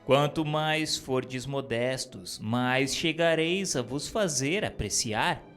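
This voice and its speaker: A man giving a solemn, earnest reading of a religious text, measured and exhorting. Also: mid-range voice, a bit bright. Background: faint music.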